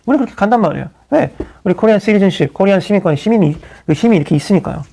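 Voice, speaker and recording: A middle-aged pastor from South Korea preaching in an animated, conversational way, full of asides and acted-out quotes. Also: male voice, sits high, racing, gravelly. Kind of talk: sermon.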